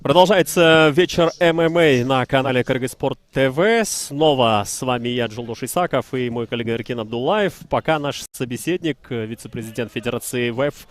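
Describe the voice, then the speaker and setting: Male TV MMA commentator, medium pitch. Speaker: TV sports commentator.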